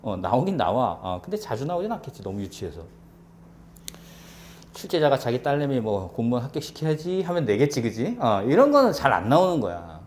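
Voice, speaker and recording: A man who lectures Korean for civil service exam prep speaks fairly quickly at medium pitch, with big pitch swings and a slight hiss or hum in the audio. He fires off rhetorical questions, answers them himself, and repeats key points for emphasis.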